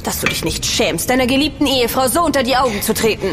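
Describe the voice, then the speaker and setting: A nagging, neglected noblewoman with a high, sharp-edged voice. Loud music plays behind her in a studio radio play. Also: animated, fast talker. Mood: reproachful. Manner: nagging, reproachful. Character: scolding, neglected lady of the manor. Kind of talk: German radio drama acting.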